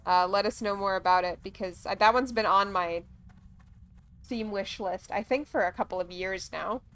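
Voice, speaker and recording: A woman's voice: medium pitch, normal speed, a bit bright, clean tone. A woman chatting casually on a gaming livestream, rambling along with plenty of "like" and "um". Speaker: streamer.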